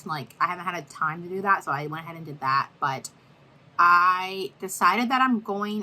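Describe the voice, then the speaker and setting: Young female vlogger with a hoarse voice and a bright, tense tone. Casual and rambling. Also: medium pitch, low-quality recording. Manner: rambling, with many fillers and restarts. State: hoarse, partly lost voice. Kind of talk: casual vlog chat to camera. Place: at home, seated.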